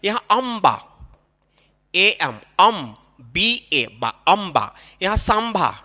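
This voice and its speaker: A man teaching a spelling lesson to young children, explaining slowly and repeating himself. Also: high voice, sing-song, bright, forceful tone, in a large hall. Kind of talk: classroom-style spelling lesson.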